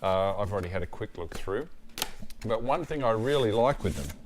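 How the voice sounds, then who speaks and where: A man with an Australian accent talks through gear in a casual, unscripted review style. His voice sits a little low and his delivery is plain-spoken and matter-of-fact. Some ambient noise runs behind him. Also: expressive, normal speed. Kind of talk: casual product review to camera.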